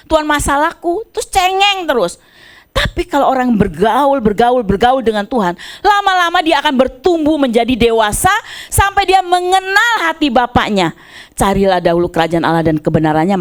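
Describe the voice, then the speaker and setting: A woman preaching a sermon with animated delivery, moving from soft asides to loud exclamations. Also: fairly high pitch. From Indonesia.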